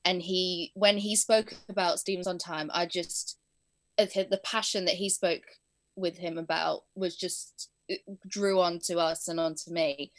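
This is a young woman with an English accent in a casual interview, talking about teaching performing arts and working as an editor. Her voice is lowish and steady, a little slow, with fillers and easy laughter, and she was born in England but grew up in southern Spain.

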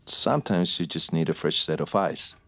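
Actor as steady middle-aged detective, very low voice, measured and soothing. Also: male voice, creaky, exaggerated voice. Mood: calm. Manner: calm, measured, reassuring. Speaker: police detective.

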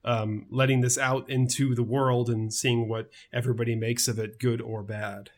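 A man talking casually as a guest about his audio drama, plain and relaxed, with frequent fillers. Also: medium pitch, moderate pace. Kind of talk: casual podcast interview.

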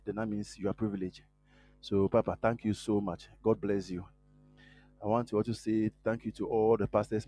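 A hoarse man with a cold leads a sermon and prayer in a low, mellow voice. He speaks earnestly, building in fervor, with faint music behind him. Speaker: guest preacher.

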